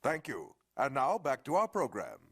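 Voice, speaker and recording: A man's voice: mid-range voice, sing-song, moderate pace, slightly rough. An actor playing a grandly dramatic male cartoon show announcer in a parody of television announcing. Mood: mock-serious.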